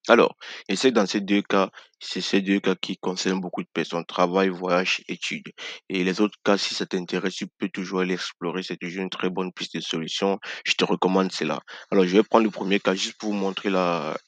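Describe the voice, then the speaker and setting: Deep-voiced man walking through a tutorial. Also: steady tone, fairly quick, no room sound. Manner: chatty, repeats himself, many fillers. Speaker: channel host giving a tutorial. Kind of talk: casual screen-share tutorial.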